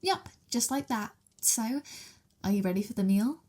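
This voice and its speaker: A woman's voice: a little high, expressive, normal speed, a little mellow. A woman playing a sweet, hungry young vampire mistress in an ASMR roleplay, talking in a casual, playful, giggly way. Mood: playful, friendly.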